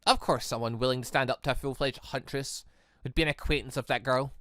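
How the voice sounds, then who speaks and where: A man's voice: mid-range voice, steady tone, quick pace, a bit bright, dry recording, clean studio sound, voice pushed down, lightly acted. A man voicing a stern adult woman, a formal and curt academy instructor in a visual novel. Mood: reluctant, curt.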